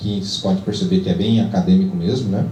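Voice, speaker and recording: A man's voice, showing ordinary pitch variation, carries audible room echo with noticeable background noise. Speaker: tech conference speaker, PhD researcher. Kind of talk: technical talk at a meetup. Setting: auditorium with audience.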